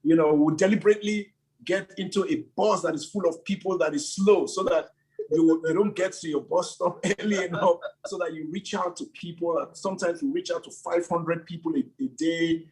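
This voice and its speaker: A man's voice: fairly high pitch, fairly even intonation, brisk, a little mellow, rough recording. A middle-aged man, a church leader, telling his story with enthusiasm, sprinkling in "you know" and frequent laughs. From Nigeria. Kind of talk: animated interview answers.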